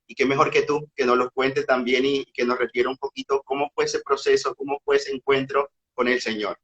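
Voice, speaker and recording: A priest hosting an interview, asking his guest in a gentle, inviting way to share her story. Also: mid-range voice, steady tone, fairly quick, slightly rough. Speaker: priest host. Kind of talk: interview questions. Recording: dull lo-fi sound.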